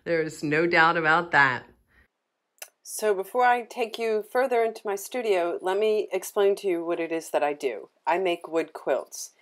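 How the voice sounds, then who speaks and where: This artist and studio tour host is a middle-aged Philadelphia woman with a local American accent. Her voice sits on the low side with a fairly bright tone, moving at a moderate pace as she chattily explains things on an informal tour of her studio.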